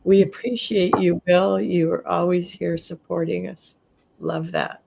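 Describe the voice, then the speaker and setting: Slow, low-voiced woman, gently earnest. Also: flat delivery, creaky, background noise. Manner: gentle, earnest, laughs softly often. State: losing her voice. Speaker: host and card reader. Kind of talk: spiritual live stream chat.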